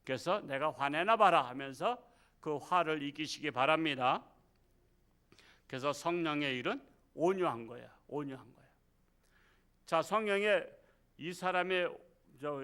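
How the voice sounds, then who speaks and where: At a Wednesday evening service in the church sanctuary, a middle-aged male pastor preaches with a high-pitched, bright-sounding voice. He speaks loosely and conversationally to the congregation, firing off rhetorical questions and acting out the speech he quotes.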